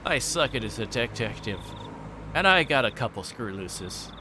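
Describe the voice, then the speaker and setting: A man's voice: mid-range voice, very animated, moderate pace, background noise, lightly acted. A man reading aloud the part of a folksy, self-deprecating older detective in a visual novel, musing to a junior colleague.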